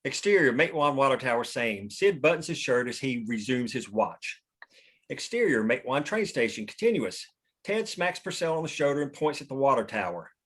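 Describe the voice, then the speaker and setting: A man's voice: medium pitch, very animated, brisk, fairly bright tone, husky. A man reading scripted narration and scene directions at a table read. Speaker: stage-direction reader.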